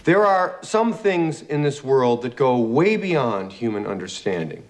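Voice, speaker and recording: An actor playing an earnest male ghost hunter delivering a solemn scripted pitch. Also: very animated, unhurried, faint music behind. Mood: solemn, portentous.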